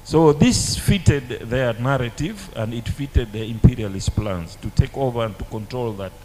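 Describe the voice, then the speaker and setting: A man giving a halting, deliberate explanation as a guest in a history discussion. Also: mid-range voice, darkish tone, a little hiss or hum. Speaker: panel guest.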